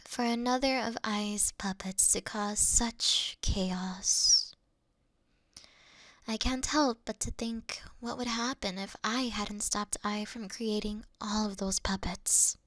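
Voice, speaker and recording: A woman playing a mischievous, affectionate fox-spirit shrine priestess in an intimate roleplay, coy and teasing, often slipping into a breathy whisper. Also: mid-range voice, steady tone, slow pace, a bit bright, no echo. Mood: reflective, gentle. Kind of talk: intimate roleplay ASMR acting.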